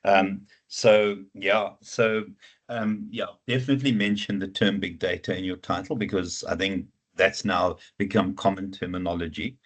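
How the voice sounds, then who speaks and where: This is a man with a somewhat deep voice and a clear South African Afrikaans accent. He lectures informally, working out ideas aloud as he advises students, with a teasing, familiar way about him. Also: fairly even intonation, moderate pace. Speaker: university lecturer advising students on research proposals. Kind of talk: informal online teaching consultation.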